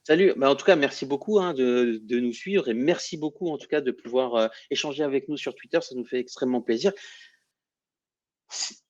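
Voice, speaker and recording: Male stream host, casual and chatty, mid pitch, slightly muffled lo-fi sound. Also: brisk. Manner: chatty, warm welcomes, frequent restarts. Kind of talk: casual football debrief livestream.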